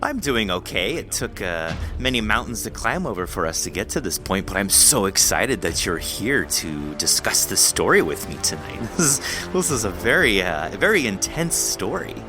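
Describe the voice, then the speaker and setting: A man's voice: on the low side, very animated, moderate pace, few pauses, over music. A man hosting a podcast interview in a conversational, effusive and wordy manner.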